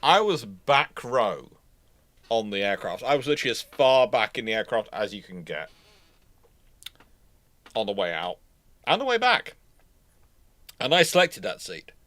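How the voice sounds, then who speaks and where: A man's voice: lowish voice, a bit bright, no echo. A man hosting a live stream, rambling casually as he answers viewers' questions. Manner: rambling, tangent-prone. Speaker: host of a naval history live stream.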